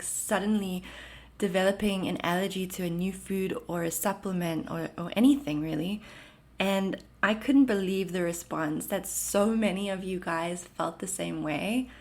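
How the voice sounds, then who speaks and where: A woman in her thirties from South Africa, with a South African accent blended with Canadian, hosting a solo podcast in a gentle, reassuring and chatty way, full of "like" and "um". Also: mid-range voice. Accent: South African mixed with Canadian. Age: 30s. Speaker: podcast host. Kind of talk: casual solo podcast talk.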